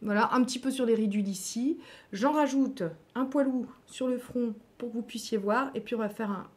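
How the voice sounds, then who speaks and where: A woman's voice: a little high, fairly quick. A middle-aged woman giving a chatty makeup tutorial, playful asides and frequent hesitations. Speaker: beauty vlogger.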